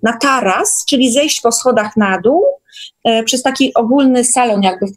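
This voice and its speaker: A woman's voice: a little high, normal speed. A woman speaking as a guest in a casual conversation, recalling her own experiences. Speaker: guest sharing workshop experiences.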